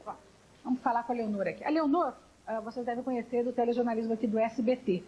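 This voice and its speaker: A woman hosting a TV talk show in a studio, brisk and attentive as she steers the conversation. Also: fairly high pitch, a little hiss or hum. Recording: dull broadcast audio.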